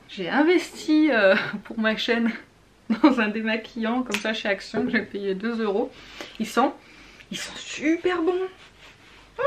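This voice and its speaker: A woman's voice: a little high, fairly bright tone. A woman chatting casually as she swatches makeup, gushing and sometimes dropping to a whisper. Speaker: beauty vlogger.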